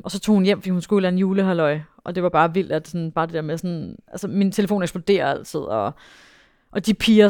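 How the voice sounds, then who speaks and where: A young woman, a dressage rider, telling a story in a casual interview with lots of fillers and bursts of excitement. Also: fairly low pitch, no echo, clean studio sound. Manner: animated, excitable, many fillers.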